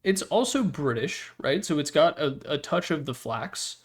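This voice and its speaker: A man's voice: a little high, expressive, measured pace. A man giving casual, opinionated commentary as the host of a ranking, talking in a rambling, blunt, slangy way. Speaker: host ranking video game announcer packs.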